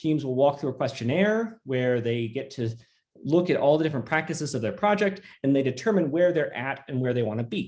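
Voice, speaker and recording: The intonation is lively as this man talks. There is a somewhat breathy quality to it. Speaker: software productivity researcher. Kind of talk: webinar presentation. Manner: fast.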